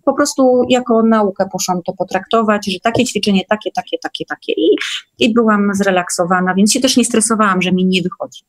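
A woman's voice: mid-range voice, brisk. A woman speaking as a guest in a casual conversation, recalling her own experiences. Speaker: guest sharing workshop experiences.

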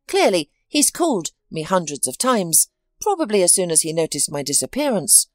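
A woman's voice: on the low side, very animated, normal speed, no echo, studio quality. A woman voicing a shaken, ashamed wife who speaks in an anxious, apologetic way in a storybook reading.

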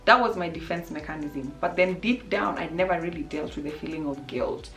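A young woman with a low-pitched, slightly hoarse voice, talking to camera in a small room. She chats candidly and restarts her sentences often, as an advice host would. Faint music plays underneath. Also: a little fast, a bit bright. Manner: chatty and candid, with frequent restarts and fillers. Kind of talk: casual advice vlog. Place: small room with a painting and plants.

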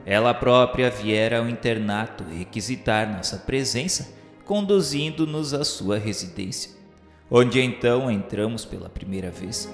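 Solemn Brazilian male narrator in deep reverb. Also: a little slow. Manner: solemn, formal literary delivery. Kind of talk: scripted audio drama narration of a spiritist novel. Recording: roomy long reverb, music underneath. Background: music.

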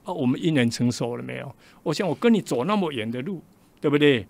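Fast, gravelly older man with Taiwanese Mandarin accent. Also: mid-range voice. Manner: animated, acts out quoted dialogue with shifting voices. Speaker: radio interview guest. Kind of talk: personal storytelling in a radio interview.

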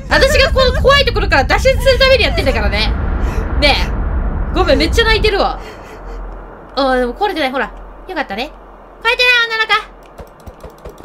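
A woman giving lively gameplay commentary, chatting to the game characters and to her viewers. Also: sits high, background noise. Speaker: game video host.

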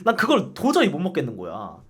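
Animated, foul-mouthed young man ranting. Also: fast, slightly rough. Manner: profane, animated ranting with frequent laughs; acts out barked military quotes in a low voice. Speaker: streamer. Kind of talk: casual streaming chat, reacting to a ranking game.

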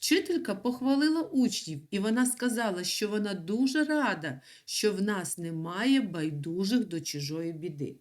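A middle-aged woman teacher giving a recorded lesson to children, explaining clearly and patiently with emphatic stresses. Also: medium pitch, lively intonation, moderate pace, hardly any pauses. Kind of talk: recorded online school lesson.

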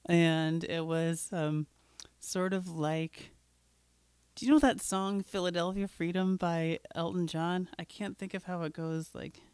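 A woman's voice: lowish voice, fairly even intonation, measured pace, a little mellow. A middle-aged woman chatting between songs on a home live stream, rambling with many fillers and a little scratchy from a cold, into a mic on a stand in a living room. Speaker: singer-songwriter. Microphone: studio mic on a stand.

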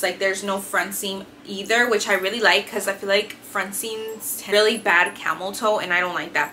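Bright, chatty young woman vlogger. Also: mid-range voice, slight background noise. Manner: chatty, enthusiastic, lots of "like" fillers. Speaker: fitness and beauty vlogger. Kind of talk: casual haul review to camera. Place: small decorated bedroom, indoors.

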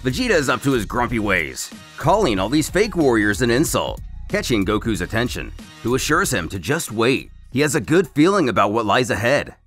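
A man reads a scripted story recap like a storyteller. His pitch is medium and moves around in a lively way. Faint music plays underneath. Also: fairly quick. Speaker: YouTube narrator and host.

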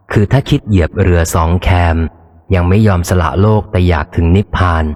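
A low-voiced man reads a first-person memoir aloud, keeping his delivery calm and measured. His voice rings out with a long reverberant tail, as if recorded in an echoing room. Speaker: audiobook reader.

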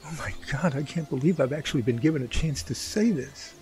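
A man's voice: fairly high pitch, brisk, darkish tone, soft background music, close to an everyday voice. A man playing an earnest, protective brotherly figure in a radio drama, pleading in a folksy way. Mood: tender, heartfelt.

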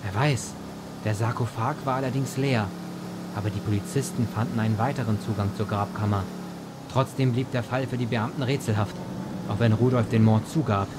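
A man performing a grim hero in an audio drama. His voice is medium in pitch and he recounts events with resolve. Clear car noise runs behind him. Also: steady tone, fairly quick, natural voice. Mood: matter-of-fact, secretive. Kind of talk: audio drama acting, storytelling.

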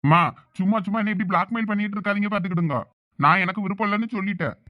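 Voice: mid-range voice, rapid-fire, dry recording, dull audio, close to an everyday voice. A performer playing an irritated college-going son arguing with his mother in a village comedy skit, with a Thoothukudi Tamil accent. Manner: irritated, argumentative.

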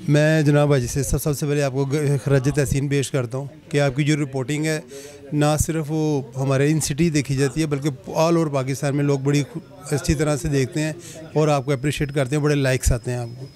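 Male trader, rhetorical praise speech, slightly high voice, handheld mic. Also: little pitch movement, fairly quick, darkish tone. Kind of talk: interview answer. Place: crowded indoor office.

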